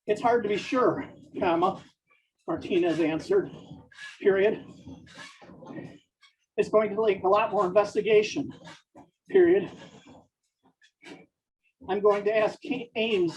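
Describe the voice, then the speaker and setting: A writer dictating a story aloud in a slow, deliberate way, pausing between phrases and speaking every punctuation mark. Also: mid-range voice, a little hiss or hum. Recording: dull, distant mic.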